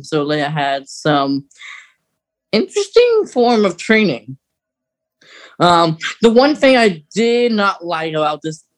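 A man co-hosting a podcast, chatting casually and informally as an enthusiastic fan of sci-fi books. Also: fairly high pitch. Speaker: podcast co-host.

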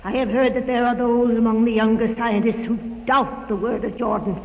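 Shrill, suspicious doorkeeper. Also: male voice, level tone, normal speed. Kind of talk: 1950s radio drama acting. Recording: tinny, echoey 1950s radio broadcast.

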